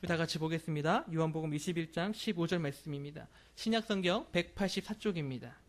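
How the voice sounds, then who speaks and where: A man's voice: on the high side, quick pace. A male pastor preaching a Sunday sermon, earnest and often asking the congregation questions.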